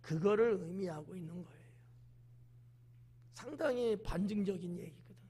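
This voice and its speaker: A man's voice: sits high, moderate pace, mellow, slightly rough. A male pastor giving a conversational sermon, explaining the passage and asking the congregation questions. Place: church.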